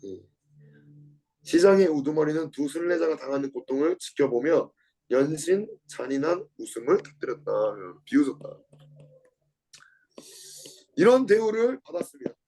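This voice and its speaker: A male lecturer teaches from a book, his fairly high voice gravelly and husky. He reads lines aloud, echoes key words back, and puts questions to his listeners. His tone stays mellow, and it jumps louder whenever he acts out a quote. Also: expressive, normal speed, long pauses. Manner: dramatizes quotes with sudden shifts in pitch and loudness; repeats key words from the passage, asks the audience questions. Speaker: Bible study lecturer.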